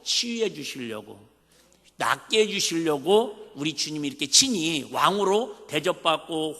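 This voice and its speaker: A man's voice: fairly high pitch, bright, forceful tone. A man in his fifties with a Jeolla accent, preaching a folksy, conversational sermon full of rhetorical questions. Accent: Jeolla Korean. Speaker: pastor. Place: church sanctuary. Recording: reverberant church hall.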